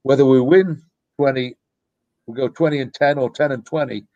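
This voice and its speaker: Man, middle-aged, youth soccer coach, casual podcast talk, reflective, rambling, mid pitch. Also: normal speed, mellow, no echo, highs cut off. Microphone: podcast microphone.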